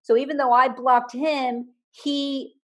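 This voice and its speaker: An animated woman guest recounts stories in an interview, her voice sitting a little higher than most. She laughs now and then as she talks and often repeats a word while gathering her thoughts. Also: takes it slowly. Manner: repeats words when thinking aloud. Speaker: author and guest. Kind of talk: storytelling interview talk.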